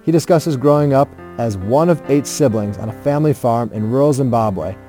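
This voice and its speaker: Podcast host, male, mellow tone, friendly and self-deprecating, faint music behind. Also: medium pitch, normal speed. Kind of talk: casual interview podcast. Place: home, wrapped in a fleece blanket. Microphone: home podcast mic under a heavy blanket.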